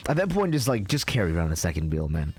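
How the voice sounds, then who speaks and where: A man's voice: sits low, big pitch swings, fast, a little mellow, husky, faint music behind. A young man from Canada ranting casually on a live stream, swearing often and filling his talk with "like".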